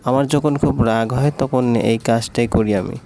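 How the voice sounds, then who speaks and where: A man's voice: medium pitch, steady tone, a little slow, warm tone, a little hiss or hum. Man reading a story aloud. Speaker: story narrator.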